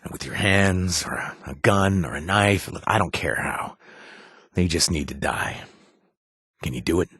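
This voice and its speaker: A man's voice: low voice, unhurried, a bit bright, slightly rough, no room sound, clean studio sound, full character voice. An actor playing a wry adult male bartender and former gang member, joking and conspiratorial, in video game voice lines. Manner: joking and conspiratorial, laughs often.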